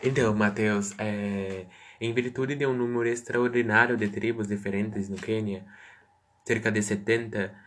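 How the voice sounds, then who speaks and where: A man's voice: lowish voice, steady tone, normal speed, fairly bright tone. Man reading prepared interview answers. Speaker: interview guest.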